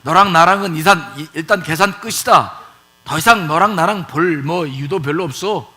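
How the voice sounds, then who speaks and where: A man voicing a resentful older brother, speaking low and cold as he cuts off his sibling. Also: moderate pace, pushed and bright. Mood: bitter, cold.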